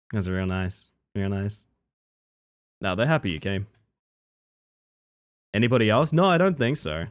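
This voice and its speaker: A man's voice: lowish voice, big pitch swings, takes it slowly, long pauses, clear, resonant tone. A man with an Australian accent, chatting casually with his live-stream audience while gaming, reading chat aloud and swearing now and then.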